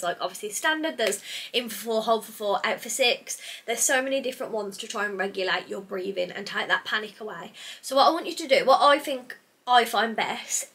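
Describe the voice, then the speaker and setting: Bright, chatty young woman vlogger. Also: mid-range voice. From United Kingdom. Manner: chatty and rambling, sidetracks mid-thought. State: congested from hay fever or a cold. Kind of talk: casual chat to camera.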